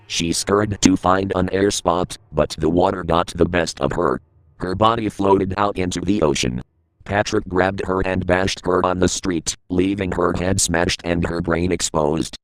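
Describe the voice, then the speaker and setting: A man narrating a creepypasta horror story in a steady, grave reading voice. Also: low-pitched, no echo.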